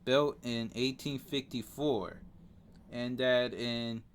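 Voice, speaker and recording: A man with a Spanish accent reads facts aloud on a casual podcast, slowly and haltingly. He trips over names and fills the gaps with hesitations. His voice sounds smooth and clear. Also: medium pitch, fairly even intonation. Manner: halting reading, stumbles over names with frequent fillers. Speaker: podcast co-host.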